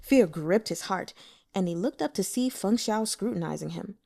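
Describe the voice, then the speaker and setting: A woman reading scripted fiction aloud as an expressive audiobook narrator. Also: mid-range voice, normal speed, creaky.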